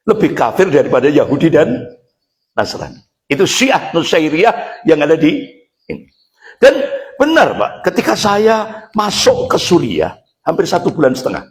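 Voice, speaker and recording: A middle-aged man from Indonesia, a Muslim preacher giving an emphatic, animated religious lecture to a congregation and addressing them directly. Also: mid-range voice. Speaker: Islamic preacher.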